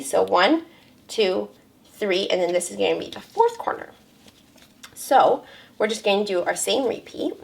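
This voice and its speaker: A young woman with a hoarse, raspy voice, talking through a crochet pattern step by step, counting stitches aloud and correcting herself as she goes. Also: medium pitch. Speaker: crochet pattern designer teaching a tutorial. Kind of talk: step-by-step crafting tutorial.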